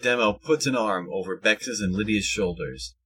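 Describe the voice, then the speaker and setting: A man with a husky voice reading scripted narration for an audio drama. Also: fairly low pitch, normal speed, pushed and bright.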